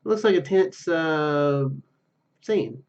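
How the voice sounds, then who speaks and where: Casting: male gaming host, fairly high voice, reads story text with casual asides, slightly dull recording. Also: animated, very slow, a little mellow. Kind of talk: reading game narration aloud with casual commentary.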